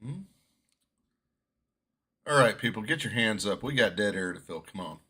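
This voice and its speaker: A man's voice: on the low side, animated, moderate pace, bright, forceful tone, breathy edge. A man co-hosting a live stream, teasing the others with wry, mock-solemn remarks. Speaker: co-host. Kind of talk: casual live stream banter.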